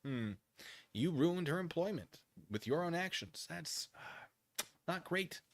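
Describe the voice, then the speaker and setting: A man's voice: fairly high pitch, lively intonation, slow. A man streaming off-the-cuff commentary as he reads a document aloud, dropping mocking, theatrical asides. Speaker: commentary streamer, channel host.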